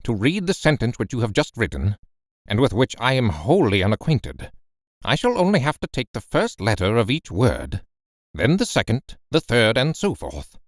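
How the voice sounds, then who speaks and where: A man's voice: mid-range voice, wildly swooping pitch, normal speed, dry recording, clean studio sound. A man doing a stern old professor. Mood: commanding. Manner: brusque, commanding.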